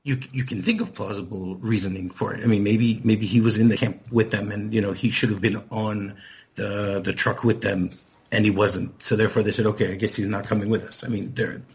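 Male co-host, husky low voice, rambling and chatty. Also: fairly even intonation, fairly quick. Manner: rambling, thinks aloud with repeated words and chuckles. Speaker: podcast co-host. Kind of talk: casual podcast chat.

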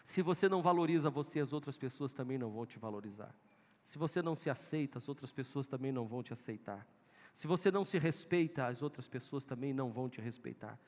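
A man's voice: mid-range voice, expressive, quick pace, darkish tone. A male pastor with a Northeastern Brazilian accent, preaching an emphatic sermon full of repeated exhortations in a church. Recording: echoey church hall.

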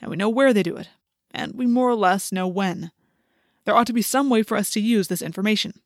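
A woman's voice: mid-range voice, fairly quick, no room sound, clean studio sound, close to an everyday voice. Woman playing a level-headed teenage boy leader. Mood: businesslike. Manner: businesslike.

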